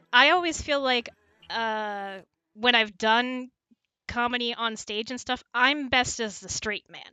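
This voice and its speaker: Bright-voiced laughing woman host. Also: fairly high pitch, slow, clean tone, dry recording. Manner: giggly, reads out audience questions. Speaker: host and director. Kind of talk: casual chat.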